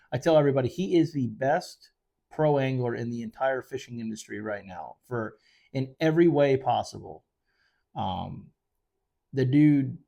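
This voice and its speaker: A man's voice: mid-range voice, gravelly, dark tone. A man, hosting casual solo commentary into a microphone, rambling and correcting himself often. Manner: rambling, conversational, with frequent fillers and self-corrections. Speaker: fishing charter guide and show host. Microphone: desk microphone.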